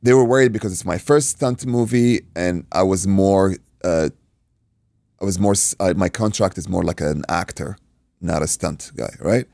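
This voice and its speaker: A man from Iraq, a native Arabic speaker, telling an animated anecdote in casual podcast chat, acting out dialogue and swearing freely. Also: low-pitched, moderate pace, gravelly, dry recording, studio quality. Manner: acts out dialogue, swears, says "dude". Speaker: podcast guest, martial arts coach and stunt performer.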